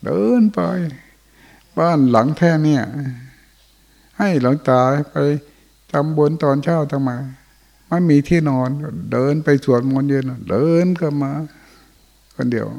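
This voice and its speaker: A man's voice: mid-range voice, a little slow, vocal fry, long pauses, darkish tone. An older man, a Buddhist monk, giving an informal dharma talk in a monastery hall, telling folksy stories and often chuckling.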